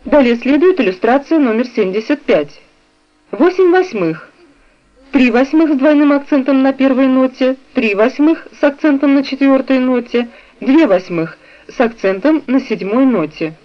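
A woman reading a music theory textbook aloud in a slow, measured way, describing the notation on the page. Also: sits high, lively intonation. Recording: dull, lo-fi recording.

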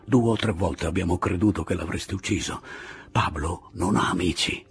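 A man voicing a slightly drunk male gypsy guerrilla who speaks low and insistently. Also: moderate pace, gravelly, breathy edge, exaggerated voice. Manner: hushed, insistent. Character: tipsy, blunt male gypsy guerrilla, urging murder.

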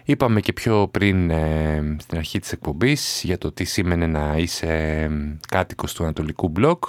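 Very deep-voiced man hosting a radio show. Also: no room sound. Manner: relaxed, many hesitation fillers. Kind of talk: casual radio talk with music commentary.

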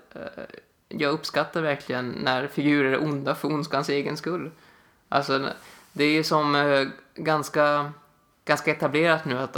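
A young man co-hosts a casual podcast from a living room. His voice sits a little high and gravelly, with a bright edge. He talks in a loose, chatty way, full of fillers and restarts. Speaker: podcast co-host. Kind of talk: casual chat.

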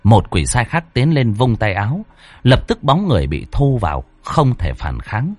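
A man's voice: medium pitch, big pitch swings, moderate pace, slightly rough. A man narrating a ghost story in a dramatic, vivid storytelling manner.

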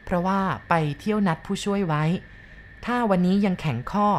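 A woman's voice: mid-range voice, a little hiss or hum, close to an everyday voice. A woman playing a stern village exorcist. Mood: determined. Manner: firm, commanding, slow and deliberate.

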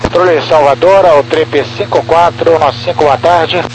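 A man's voice: fairly high pitch, steady tone, moderate pace. A man working as a pilot, making brief, procedural readbacks and calls over cockpit radio. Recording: noisy aviation radio with hum.

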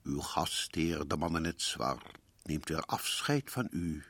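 A man playing a sinister radio-play host in black, closing the story in a husky, slow, ominous voice. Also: a bass voice, lively intonation, fairly bright tone, no room sound, exaggerated voice. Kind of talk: radio drama narration.

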